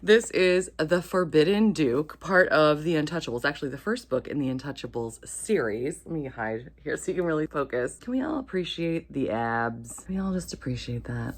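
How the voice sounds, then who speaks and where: The host of a romance book channel, a woman with a low, slightly bright voice, chats to camera in an enthusiastic, gushing and playful way, an excited casual book vlog.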